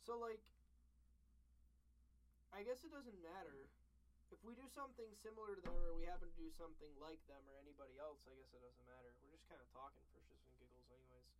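A woman's voice: low voice, fast, slight background noise, rough recording. A woman co-hosting a podcast, asking curious questions in casual chat. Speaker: podcast co-host.

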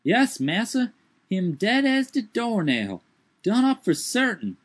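A man doing a fretful old servant, high and strained. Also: huge pitch swings, slow, full character voice. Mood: fearful. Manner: thick old-fashioned dialect, high and strained. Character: fretful old manservant up a tree. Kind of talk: audiobook character voice.

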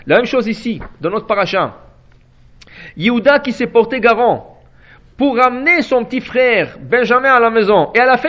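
A man teaching a Torah class in a high voice, animated as he tells the story. He asks questions and answers them himself, often stopping to restart a phrase. The recording sounds dull and lo-fi. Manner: hesitant restarts.

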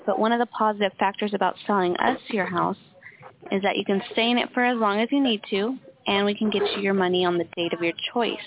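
A woman working as a home buyer's phone agent, delivering a steady, rehearsed sales pitch. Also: fast. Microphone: telephone. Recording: tinny phone line with clear hiss.

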